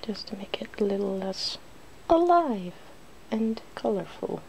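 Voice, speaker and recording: A woman's voice: medium pitch, fairly even intonation, moderate pace, creaky, darkish tone, a little hiss or hum, rough recording. A woman hosting a casual ASMR makeup demonstration, chatty and giggly, drifting into whispers. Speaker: ASMR video host.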